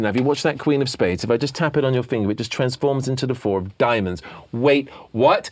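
A man with a British accent talks very fast with ordinary pitch variation. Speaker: actor and magician. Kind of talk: casual interview chat. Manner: animated.

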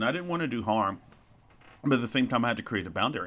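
The tone here is bright and sharp. A man talks with lively intonation. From US South (Arkansas), born in Chicago. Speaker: podcast host, therapist / life coach. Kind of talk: solo monologue podcast. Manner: casual, with many fillers and hesitations.

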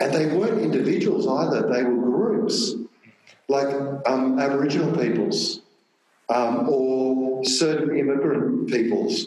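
A man with an Australian accent at a fairly slow pace, with very even loudness and lively intonation. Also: fairly high pitch for a man. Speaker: theologian and author. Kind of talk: casual chat. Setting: recorded in one room with host.

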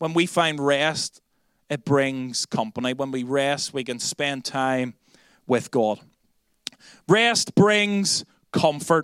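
In a Belfast accent, the speaker goes at a very slow pace with lively intonation and long, frequent pauses, in a dry, close sound with no echo. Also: man, fairly high pitch for a man. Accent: Belfast (Northern Irish). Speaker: pastor. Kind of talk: sermon. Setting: church with live audience and online stream.

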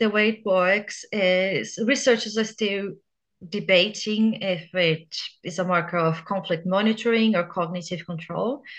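Over a quiet background, a woman with a Brazilian accent speaks at a fairly slow pace. Her pitch sits at a medium level with ordinary variation. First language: Portuguese. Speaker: psychologist and researcher. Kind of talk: interview.

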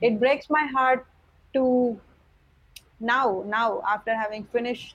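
The speaker is a woman with a high voice. Her pitch varies in an ordinary way. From southern India. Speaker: filmmaker and activist. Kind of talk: interview.

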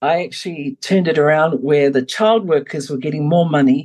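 This woman speaks at a fairly quick pace in a very deep, low pitch. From Pacific Islands, then New Zealand. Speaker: domestic violence service CEO. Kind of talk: interview. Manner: hesitant with fillers.

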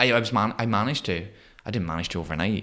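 With a Northern Irish accent, a man speaks at a fairly quick pace. Music plays in the background. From Northern Ireland, Belfast. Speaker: motivational speaker, former police officer. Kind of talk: casual interview.

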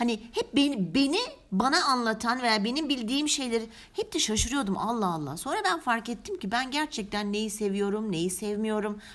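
A woman speaks with a fairly high pitch and lively intonation. Her pace is moderate. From Turkey. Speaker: podcast co-host. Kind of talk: casual chat.

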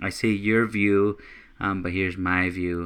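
Against a quiet background, the voice has a bright, sharp tone and a flat, monotone delivery. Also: man. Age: 20s. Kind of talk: casual religious podcast monologue. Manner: halting, many filler words.

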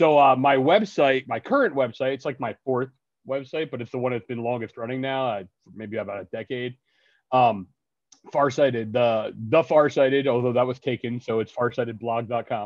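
A man speaks at a medium pitch and a moderate pace with ordinary pitch variation. He has a plain, everyday voice. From US Northeast, North Jersey. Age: 40s. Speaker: film festival founder. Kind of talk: casual interview chat.

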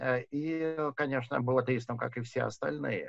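A man with an unremarkable speaking voice at a moderate pace, ordinary pitch variation, and a quiet background. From Russia, Murmansk region. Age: 50s. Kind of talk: interview.

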